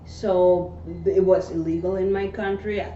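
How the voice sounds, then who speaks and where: Speaking a little slowly with a warm, fairly low voice and fairly even intonation, this Mexico City woman tells her own story as an interview guest. She is earnest and keeps adding "right?" tags throughout the conversation. An echoey room gives the recording a dull sound and faint hiss.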